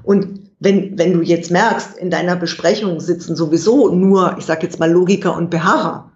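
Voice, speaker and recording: A guest expert in an interview, explaining communication in a measured way and thinking aloud with fillers. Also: mid-range voice, darkish tone. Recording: dull, roomy recording.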